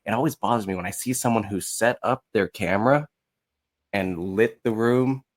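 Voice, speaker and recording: Lower-pitched American man, halting podcast talk. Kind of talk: casual podcast discussion.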